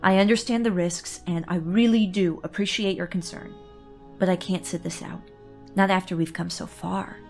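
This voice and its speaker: A woman's voice: on the low side, steady tone, normal speed, a little mellow, faint music behind, natural voice. A woman acting a wry, stubborn, eager fleet leader in a sci-fi audio drama, with an informal, teasing manner. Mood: earnest, determined.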